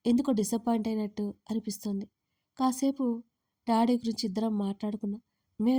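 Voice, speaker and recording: A woman's voice: fairly high pitch, no echo, clean studio sound. A woman narrating a first-person romance story, reading every character's lines in her own voice. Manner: reads all parts in her own voice, lively on quoted lines.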